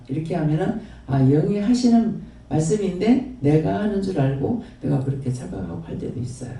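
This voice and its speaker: A pastor with a Gyeongsang Korean accent gives a rambling, repetitive, folksy sermon and then closes with a prayer. His voice is a little high, gravelly and mellow. The recording is from a very echoey hall with a distant mic.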